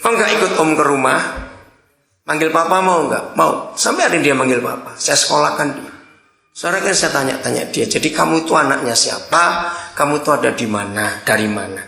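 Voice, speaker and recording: A man's voice: fairly high pitch, brisk, vocal fry. A man preaching a sermon, telling stories and acting out the dialogue in them. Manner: storytelling, animated, acts out dialogue. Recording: echoey hall.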